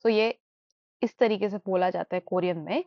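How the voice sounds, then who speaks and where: A woman teaching a beginner language lesson, mixing Hindi and English and repeating each new word slowly several times as a drill. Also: mid-range voice, no echo. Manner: mixes Hindi and English while explaining. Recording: dull, muffled dry recording.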